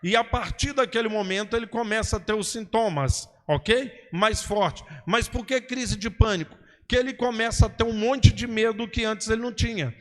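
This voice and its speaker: High-pitched preacher guy, teachy, keeps asking ok?, long echo in a hall. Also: moderate pace, hardly any pauses. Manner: didactic, repeats "ok?" and "entendeu?", asks and answers his own questions. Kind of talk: sermon-style teaching talk.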